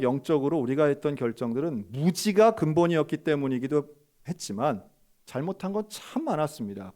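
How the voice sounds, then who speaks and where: Pastor preaching with a lively, rising voice. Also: male voice, on the high side. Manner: storytelling, acts out quoted dialogue with sharp rises; direct questions to the congregation. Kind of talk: sermon.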